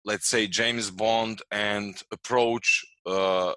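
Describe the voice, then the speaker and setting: Male host, low-pitched but bright, dry recording, halting and enthusiastic. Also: steady tone, clean tone, no room sound. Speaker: podcast host. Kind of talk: interviewing.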